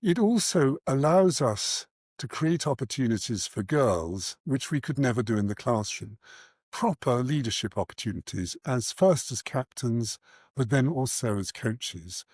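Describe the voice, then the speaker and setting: A middle-aged man giving reflective interview answers in an earnest, articulate, measured way, pausing as he goes. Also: mid-range voice, expressive, a little mellow, slightly rough, no room sound, studio quality. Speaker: interview guest, charity founder and cricket coach.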